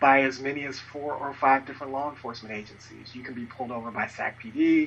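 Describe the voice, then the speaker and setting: A man at a medium pitch and a fairly quick pace, against noticeable background noise. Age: 40s. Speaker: newspaper publisher. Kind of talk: interview.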